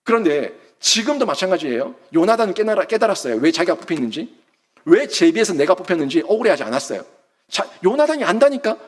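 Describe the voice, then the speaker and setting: Fast and emphatic, a male pastor delivers his sermon in a high voice that rises and falls dramatically. He keeps the energy animated throughout, peppering his listeners with rhetorical questions.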